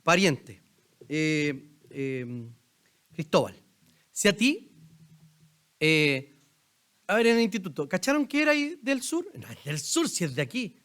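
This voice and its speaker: A man's voice: fairly high pitch, sing-song, measured pace, pauses often, a bit bright. A man with a Chilean accent preaching a sermon as pastor in a church, talking conversationally and putting questions straight to the congregation. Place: church sanctuary.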